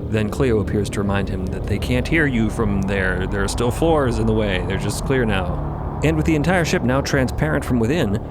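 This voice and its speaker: A man's voice: lowish voice, moderate pace, background noise. A man giving dramatic scripted narration as a storyteller. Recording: prominent music bed behind narration. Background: loud music.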